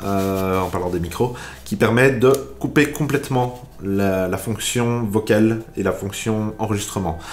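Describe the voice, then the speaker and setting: Against noticeable background noise, a man with a Belgian accent talks at a moderate pace and a medium pitch. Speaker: tech product reviewer. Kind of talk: product review. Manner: casual, with some hesitations.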